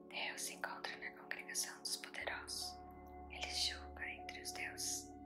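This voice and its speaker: Someone whispers in a soft-spoken, calm tone while music plays in the background. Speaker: Bible reader / ASMR sleep-aid channel host. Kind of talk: whispered Bible reading for sleep. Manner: whispered, calm, soft.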